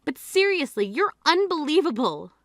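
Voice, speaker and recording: A woman's voice: high-pitched, sing-song, moderate pace, no room sound, clean studio sound. An actress playing a grieving sister who scolds her self-absorbed sibling in a blunt, exasperated way. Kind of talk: scripted drama acting.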